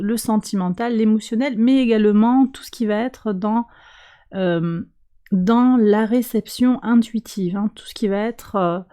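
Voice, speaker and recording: A woman hosting a weekly tarot and astrology reading, speaking calmly with many pauses and fillers while she has a cold. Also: medium pitch. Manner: calm, slow, hesitant with many fillers. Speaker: tarot and astrology reader, channel host. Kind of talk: weekly card reading for viewers.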